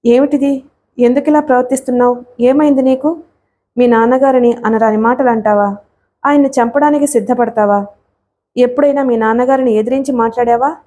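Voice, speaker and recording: A grieving middle-aged mother from a storybook, pleading through tears with a choked voice, read by a woman narrator. Her tone is soft, mellow and a little high. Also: fairly even intonation, a little fast, long pauses, lightly acted. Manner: pleading, tearful.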